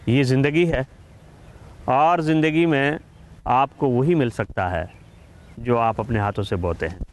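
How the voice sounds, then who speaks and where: A calm, wise father speaks to his young son, as a male storyteller voices him, patient and gentle as he explains. The voice sits at an ordinary middle pitch, close to the storyteller's own, plain and unhurried. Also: lightly acted.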